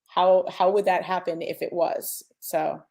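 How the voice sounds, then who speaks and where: A woman's voice: lowish voice, steady tone, measured pace, creaky, darkish tone. A woman explaining her craft in casual panel talk, informal and thinking aloud with rhetorical questions. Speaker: sound designer on a panel.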